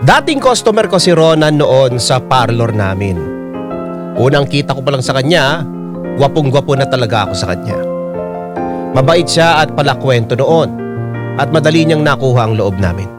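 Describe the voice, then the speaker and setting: Actor as confiding gay narrator over piano music. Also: male voice, medium pitch, very animated, moderate pace, pauses often, natural voice. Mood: fond, wistful. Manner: confiding, earnest. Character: lovestruck gay salon worker telling his own story. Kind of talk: scripted first-person radio drama narration.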